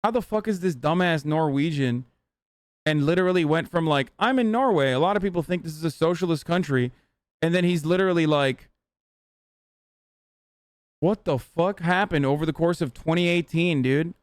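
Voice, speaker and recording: A man's voice: on the high side, normal speed, smooth, no room sound. Crude, mocking man streamer. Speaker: live streamer reacting to clips. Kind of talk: casual profane stream chat.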